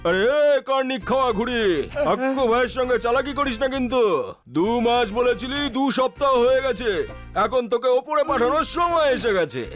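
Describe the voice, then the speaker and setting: Very high-pitched cartoon gangster. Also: male voice, a little fast, a bit bright, faint music behind. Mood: mocking threat. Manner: taunting, threatening. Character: brash menacing gangster moneylender, theatrical and mocking. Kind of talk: animated cartoon voice acting in Bengali.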